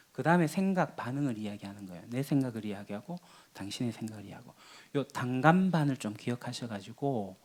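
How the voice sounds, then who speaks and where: A man's voice: medium pitch, a little mellow. A man preaching a sermon as pastor, teaching in a conversational way with rhetorical questions. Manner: teaching, acts out quoted lines of everyday quarrels.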